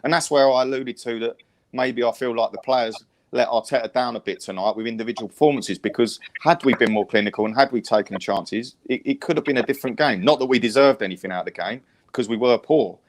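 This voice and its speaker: A man's voice: medium pitch, quick pace. An English man giving casual post-match analysis as a fan, emphatic and repeating his phrases to press a point. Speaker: football fan panellist.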